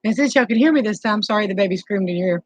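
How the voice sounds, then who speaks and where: A woman's voice: mid-range voice, racing, no room sound, dull audio. A woman in her forties with a Southern US accent chats casually to viewers on a live stream, greeting them by name while soothing a grandbaby. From Southern United States. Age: 40s. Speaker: keto vlogger hosting a live stream.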